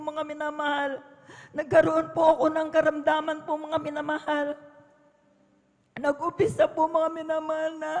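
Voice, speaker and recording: A middle-aged woman giving a personal testimony at a prayer service, earnest and polite, calling the congregation beloved every few words. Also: high voice. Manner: polite and deferential, adds respect particles throughout. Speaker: church member giving testimony. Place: church hall during overnight prayer. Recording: reverberant church hall.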